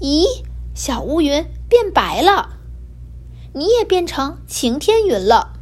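A woman voicing a startled, excitable young white cat in a children's story. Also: sits high, takes it slowly, pitched above the performer's own voice, heavily acted.

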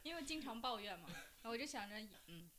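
A woman's voice: a little high, lively intonation, brisk, bright, forceful tone. A woman in a casual chat, laughing at herself as she talks. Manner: self-deprecating, laughing.

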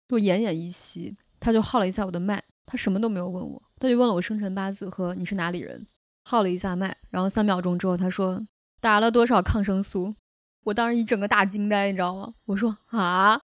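A young woman from Shaanxi telling a personal story in a casual podcast chat, animated and often laughing. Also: mid-range voice, dry recording, studio quality. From Shaanxi, China. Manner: animated, laughs often, frequent tag questions. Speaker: podcast host.

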